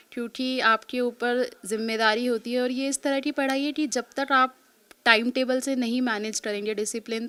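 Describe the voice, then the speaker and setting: A woman's voice: a little high, a bit bright. A woman in her thirties from Delhi, answering an interviewer politely, often saying ma'am and mixing English words into her talk. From Delhi, India. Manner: polite, keeps calling the reporter ma'am, mixes English words in. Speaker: interviewee, exam topper. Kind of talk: answering a reporter's interview questions.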